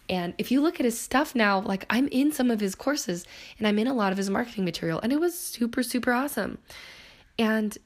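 A woman in her thirties hosting a solo podcast, telling her own story in a chatty way with a hoarse voice that keeps cracking, laughing often and wandering onto tangents. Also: medium pitch. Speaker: podcast host.

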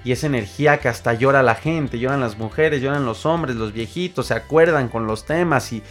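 A man with a Mexican accent, a podcast host and singer, telling stories in a casual, animated monologue full of fillers and restarts. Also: medium pitch, fairly quick, soft background music. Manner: animated storyteller, acts out quoted voices, frequent fillers and restarts.

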